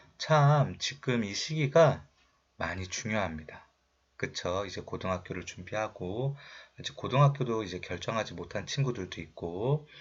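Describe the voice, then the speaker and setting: A man's somewhat breathy, medium-pitched voice with lively intonation at a fairly slow pace. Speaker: math academy director and teacher. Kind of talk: educational talk to camera.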